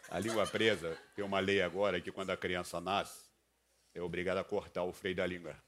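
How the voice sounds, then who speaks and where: A man, a voice specialist guest answering interview questions slowly and earnestly. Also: sits low, little pitch movement, a bit bright, a little hiss or hum.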